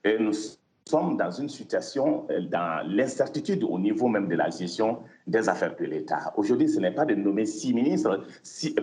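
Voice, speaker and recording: A man's voice: medium pitch, darkish tone. A man, an opposition spokesman making an emphatic statement full of restarts and repetitions. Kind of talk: interview statement. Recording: roomy echo.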